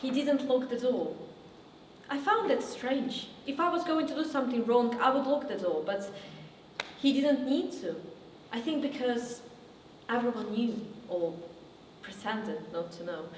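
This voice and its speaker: A woman acting a theatrical monologue as a haunted woman looking back on her past, with deliberate, halting delivery. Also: a little high, lively intonation. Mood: subdued, uneasy. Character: woman recounting childhood memories, wry then wounded and haunted. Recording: echoey reverberant room, distant mic, faint noise.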